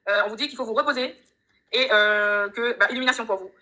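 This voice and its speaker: A woman's voice: on the high side, quick pace, pushed and bright. A woman at home giving a chatty, upbeat live tarot reading that she speaks straight to her viewers. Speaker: tarot reader on a live stream.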